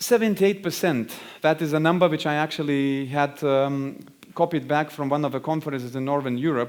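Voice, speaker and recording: A man with a Lithuanian accent, fairly high-pitched, ordinary pitch variation and a fairly quick pace. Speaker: conference speaker on rural tourism. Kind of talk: conference talk. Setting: stage with audience. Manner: halting with frequent fillers.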